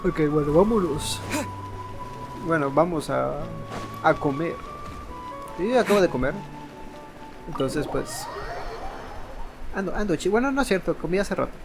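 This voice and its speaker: A man's voice: on the high side, lively intonation, normal speed, pauses often, low-quality recording. A man with a Latin American Spanish accent giving casual, rambling gameplay commentary and often correcting himself. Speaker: gaming video host. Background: game music.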